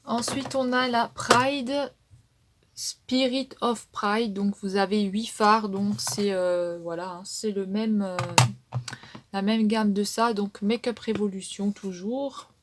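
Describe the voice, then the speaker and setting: A woman's voice: medium pitch, fairly even intonation, takes it slowly, noisy background. A woman beauty vlogger casually showing her makeup palettes, chatty and hesitant, with frequent fillers and trailing tags.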